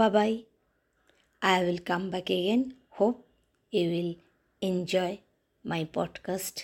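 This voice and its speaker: A woman with a Bengali accent speaks at a very slow pace. She leaves long, frequent pauses. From India, West Bengal (Kolkata). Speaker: podcaster. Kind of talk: motivational monologue.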